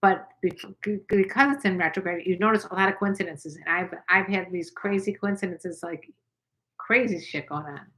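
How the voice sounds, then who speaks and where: An older woman hosting a casual livestream chat, rambling with quick asides. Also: on the low side, fairly bright tone, rough recording. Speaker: channel host.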